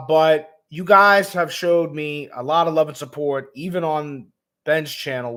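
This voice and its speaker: Hoarse raspy guy on his gaming vlog stream, chill, lots of um and bro. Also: fairly high pitch. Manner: laid-back, many ums, calls viewers man and bro. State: hoarse, lost voice. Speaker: gaming vlogger host. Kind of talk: casual livestream chat.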